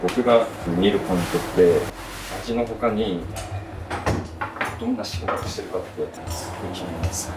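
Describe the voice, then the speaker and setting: Man, restaurant chef, low pitch, polite matter-of-fact explaining, distant mic, roomy echo. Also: moderate pace. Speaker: sushi restaurant owner-chef. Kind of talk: explaining kitchen work while working. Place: restaurant kitchen during prep. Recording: roomy kitchen, distant mic, clear working noise.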